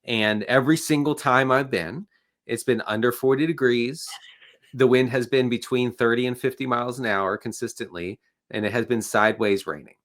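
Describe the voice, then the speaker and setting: A man's voice: mid-range voice, steady tone, normal speed, fairly bright tone. Stuffed-up guy cohosting a sports show, dry grumpy jokes. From Washington, D.C. area. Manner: dry, grumbling humor. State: congested. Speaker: podcast co-host. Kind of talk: casual sports chat.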